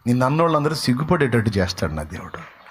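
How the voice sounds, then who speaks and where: A man's voice: big pitch swings, fast talker, slight background noise. A man preaching a sermon, acting out the voices of scoffers and building to emphatic rhetorical questions. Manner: acts out crowd voices in shifting pitch and volume. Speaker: pastor.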